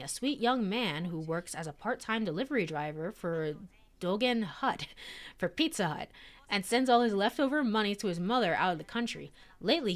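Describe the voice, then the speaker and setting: A woman streaming a visual novel, reading it aloud with casual, giggly commentary full of "like" and "um". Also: mid-range voice. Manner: chatty, giggly, lots of "like" and "um". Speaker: streamer and let's-player.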